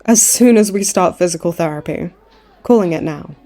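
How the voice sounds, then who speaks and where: Smug, mellow-voiced flirty villainess played by a woman. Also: fairly low pitch, normal speed, close to an everyday voice. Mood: teasing. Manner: teasing, mock-sweet, theatrical taunting. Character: smug flirtatious female supervillain in her late twenties, hospitalized. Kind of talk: comedic audio roleplay acting.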